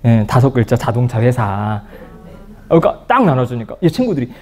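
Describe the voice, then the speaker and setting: A man's voice: mid-range voice, brisk. A man giving a psychology lecture, telling personal stories to an audience and acting out the dialogue he quotes. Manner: lively storyteller who acts out quoted dialogue. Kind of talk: public lecture, personal storytelling. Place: lecture room at a counseling center.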